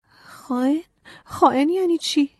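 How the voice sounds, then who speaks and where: A woman voicing a naive, emotional young farm girl in a breathy audiobook reading, pitched up and pleading. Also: a little mellow, no room sound, clean studio sound, close to an everyday voice. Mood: earnest.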